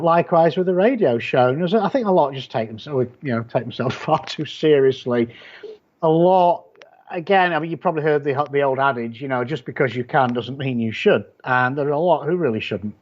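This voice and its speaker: A Yorkshire-born horror author and publisher, speaking with a Yorkshire English accent, chats casually as an interview guest. He's blunt and rambling, often restarting sentences, in a medium-pitched voice with lo-fi sound.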